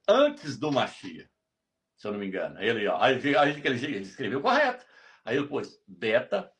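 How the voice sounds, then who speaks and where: Emphatic preacher, slightly high voice. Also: male voice. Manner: emphatic, repetitive, keeps asking "tá vendo?". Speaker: religious teacher. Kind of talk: live-stream Bible teaching.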